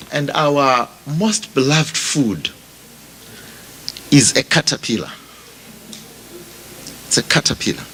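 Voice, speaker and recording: Slow-paced Zimbabwean preacher, a man. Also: a little high, fairly bright tone, slight background noise, rough recording. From Bulawayo, Zimbabwe. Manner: deliberate, repeats phrases for emphasis, addresses listeners directly. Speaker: pastor. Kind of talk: sermon. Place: funeral service before a congregation.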